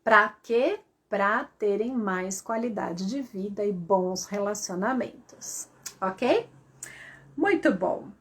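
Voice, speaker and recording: A woman voice coach giving a lively live-stream lesson, asking her viewers rhetorical questions. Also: medium pitch, takes it slowly.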